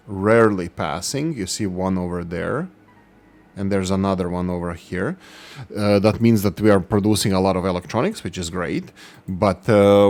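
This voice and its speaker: A man's voice: fairly low pitch, a little mellow. A man hosting a gaming channel, giving gameplay commentary and thinking aloud as he works through production numbers.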